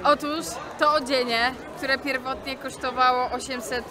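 A woman's voice: high voice, steady tone, moderate pace, crowd noise. A young woman speaking playfully in a mock-formal way at a market. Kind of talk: casual chat.

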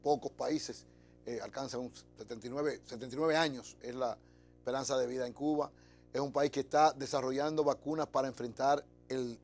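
A middle-aged man with a Dominican accent, hosting a TV show with an emphatic, conversational monologue to camera. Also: medium pitch. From Dominican Republic. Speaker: TV show host. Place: TV studio. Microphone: lapel mic.

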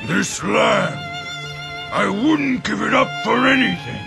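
An actor playing a brawny, easygoing male tribal king who talks in a relaxed, boastful drawl. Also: sits high, slow, vocal fry, loud music behind the voice, full character voice. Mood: content. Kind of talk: video game cutscene.

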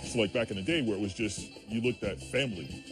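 A man talks quickly in a very deep voice, chatting casually in a small barbershop. Clear music runs underneath. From New Orleans, USA. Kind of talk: casual interview chat.

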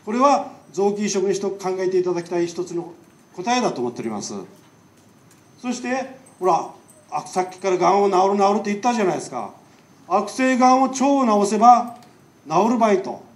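A man's voice: high-pitched, lively intonation, brisk. A man with a Nagasaki accent giving a public lecture as a doctor, chatty and firing rhetorical questions at the audience. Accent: Nagasaki dialect. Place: lecture hall. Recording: echoey hall, mic far off.

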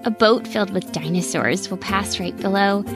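A woman voicing an eager little girl fox in a storybook, excited and pleading. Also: medium pitch, moderate pace, over music, lightly acted.

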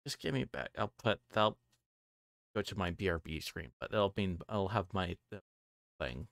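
A man livestreaming in a halting, hesitant manner, chatting casually and reading game text aloud. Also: low voice, animated, fairly bright tone, no echo, clean studio sound.

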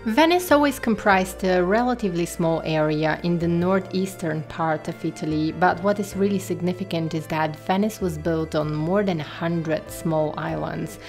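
Low-voiced woman narrating her travel vlog. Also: moderate pace, few pauses, darkish tone, soft background music. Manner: enthusiastic and admiring, with frequent "um" fillers. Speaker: travel and beauty vlogger.

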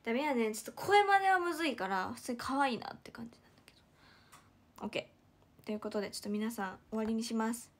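A woman's voice: fairly high pitch, lively intonation, quick pace. A young woman chatting casually on a live stream, giggling and thanking viewers one by one.

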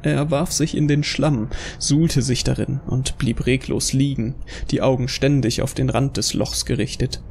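Casting: male narrator for horror audio drama, creaky mid-range voice, scripted storytelling, faint background noise. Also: medium pitch, steady tone, measured pace, few pauses, darkish tone.

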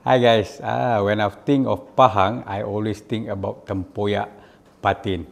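A man's voice: fairly low pitch, steady tone, measured pace, gravelly. A man chef, giving a short enthusiastic answer.

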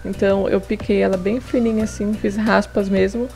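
A woman's voice: medium pitch, little pitch movement, moderate pace, creaky, warm tone, faint music behind. A young woman hosting a home cooking video, chatting through each step and adding friendly tips in a voice-over. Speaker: cooking channel host. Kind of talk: casual recipe demonstration. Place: home kitchen table.

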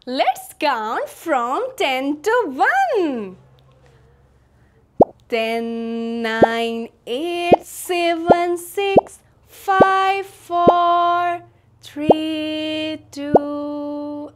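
High-pitched, very slow children's educational host woman. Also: heavy background noise. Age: young adult. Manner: bright, sing-song, exaggerated cheer like an educational toy. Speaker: children's counting lesson host.

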